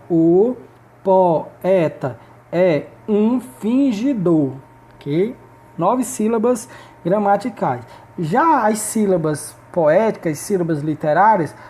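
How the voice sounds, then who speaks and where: Speaking at medium pitch with a slightly mellow tone, a female teacher explains a lesson one step at a time in a recorded online class. She keeps confirming her students are following, dropping in "né?" and "ok?" again and again.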